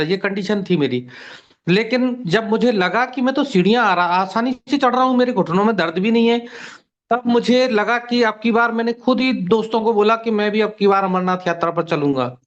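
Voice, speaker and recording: A man in his fifties from near Gwalior, giving a steady, detailed personal testimony on a video call. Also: high voice. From India, near Gwalior. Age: 50s. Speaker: testimonial guest. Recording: muffled online call audio.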